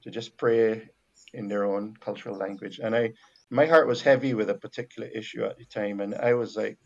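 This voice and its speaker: A man from Barbados with a Bajan accent, speaking as a missionary guest in a casual faith conversation, reflective and halting with many restarts. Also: lowish voice, fairly even intonation, gravelly, a little mellow, highs cut off.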